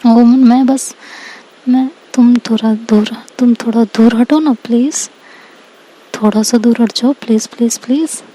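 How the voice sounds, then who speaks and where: A woman's voice: fairly high pitch, fairly even intonation, moderate pace, mellow, lightly acted, poor audio. A woman storyteller voicing an irritable, flustered schoolgirl who scolds and pleads in story dialogue. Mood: nervous, pleading. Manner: scolding, indignant, turning pleading when cornered. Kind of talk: Hindi audio storytelling dialogue.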